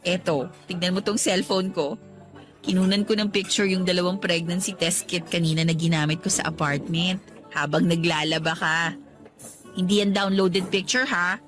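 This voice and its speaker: A woman's voice: lowish voice, steady tone, moderate pace, a bit bright, faint music behind, close to an everyday voice. A woman with a Filipino accent acting as a loving, teasing and direct young girlfriend in a radio romance drama. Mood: excited, expectant.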